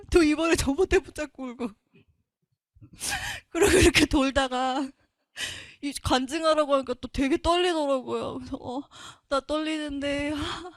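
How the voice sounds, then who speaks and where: High-voiced woman sharing a testimony. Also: no echo, studio quality. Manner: earnest, emotional storytelling. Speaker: testimony speaker. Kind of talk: Christian testimony.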